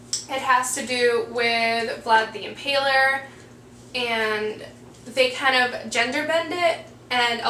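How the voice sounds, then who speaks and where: With a high pitch, a woman speaks amid noticeable background noise and audible room echo. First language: not English. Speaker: book vlogger. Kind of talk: casual vlog chat. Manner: animated.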